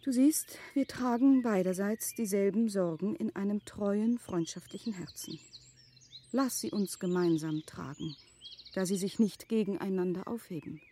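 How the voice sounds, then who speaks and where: An actress playing a thoughtful, cautious aristocratic wife in a period radio play, speaking in a measured, earnest, refined way. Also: female voice, medium pitch, dark tone, a little hiss or hum, natural voice. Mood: gently earnest. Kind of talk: German radio play, literary dialogue.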